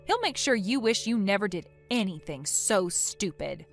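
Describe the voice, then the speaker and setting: A woman voicing a calm, resolute young woman who speaks in a cold, measured, firm way. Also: medium pitch, faint music behind.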